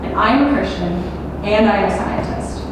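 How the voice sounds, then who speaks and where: A young adult woman, a student debater, arguing quickly and assertively in a formal debate. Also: medium pitch, expressive. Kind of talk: formal debate, cross-examination. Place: large echoey university hall. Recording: echoey hall, distant mic, background noise.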